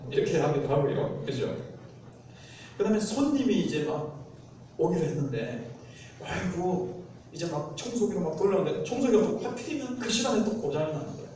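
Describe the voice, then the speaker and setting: A man pastor delivers a sermon in a fairly high, mellow voice. He livens it up by acting out everyday complaints. The sound is very echoey and distant, as if picked up across a church sanctuary, with a faint hiss under it. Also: fairly quick. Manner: lively, acts out everyday complaints.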